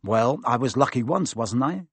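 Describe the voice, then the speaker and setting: A man's voice: medium pitch, expressive, moderate pace, fairly bright tone, breathy edge, no echo. A man voicing a brave, modest young schoolboy hero who speaks with urgent earnestness, in a storybook reading. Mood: urgent, resolute.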